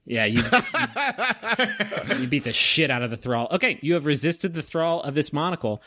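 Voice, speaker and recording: A man running a tabletop game as game master, narrating with many pauses and restarts and joking with swearing. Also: on the high side, bright, forceful tone, no room sound.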